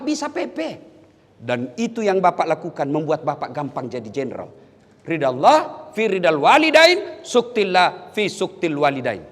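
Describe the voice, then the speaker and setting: A man preaching a lively, joking sermon to a live audience, swinging between soft asides and sudden shouts. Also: high voice. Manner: animated, joking, bursts into shouts. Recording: long hall reverb.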